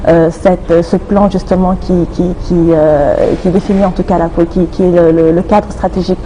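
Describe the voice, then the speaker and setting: A woman from Senegal, a guest on a morning TV show, speaking in quick, halting bursts with many restarts. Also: fairly low pitch, fairly even intonation, mellow, slight background noise, rough recording. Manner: fast talking with many hesitations and restarts. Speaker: guest from a youth employment office. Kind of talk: casual morning-show talk.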